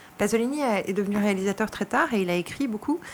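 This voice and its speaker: A woman with a Moroccan accent talks at a very fast pace, with medium pitch and ordinary pitch variation. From Luxembourg. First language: Moroccan Arabic (speaking French). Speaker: novelist. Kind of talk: interview.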